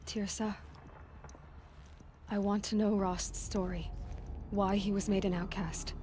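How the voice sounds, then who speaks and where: An actress playing a brave, stubborn young tribal warrior in a video game, speaking with earnest determination. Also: female voice, mid-range voice, level tone, takes it slowly, noisy background, natural voice. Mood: grave questioning. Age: young adult. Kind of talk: dramatic video game acting. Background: clear background music.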